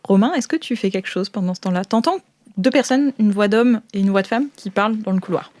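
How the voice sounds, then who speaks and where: A woman with a medium-pitched voice running an improvised tabletop game. She narrates casually, feeling for her words and repeating them as she sets the scene. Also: darkish tone. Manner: informal, halting, repeats words. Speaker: game master.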